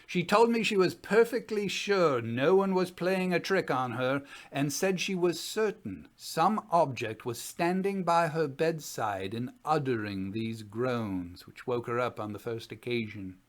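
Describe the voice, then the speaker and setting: A man in his sixties giving a measured, formal dramatic reading as the narrator of an old investigation report. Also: medium pitch, animated. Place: small home study, indoors.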